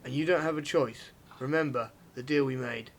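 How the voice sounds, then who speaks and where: A man playing a brisk, pushy ex-cop turned vigilante in an audio drama, explaining things matter-of-factly. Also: medium pitch, natural voice. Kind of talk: amateur audio drama acting.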